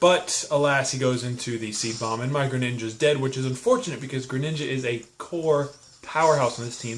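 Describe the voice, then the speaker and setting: Over noticeable background noise, a man talks at a very fast pace. His pitch sits in the medium range. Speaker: gaming commentator. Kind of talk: video game commentary. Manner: casual, halting.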